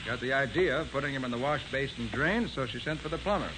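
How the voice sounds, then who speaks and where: An actor playing a confident, commanding male master detective in a brisk 1940s radio style. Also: mid-range voice, lively intonation, close to an everyday voice. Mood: brisk, assured. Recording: noisy, hissy 1940s radio recording.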